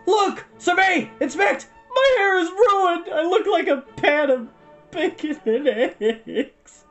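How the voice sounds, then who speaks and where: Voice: extremely high pitch, expressive, takes it slowly, dull audio, faint music behind, voice pushed up, full character voice. A narrator voicing a vain, hysterical young male wizard in an audiobook, wailing and shrieking in overwrought exclamations. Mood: furious despair.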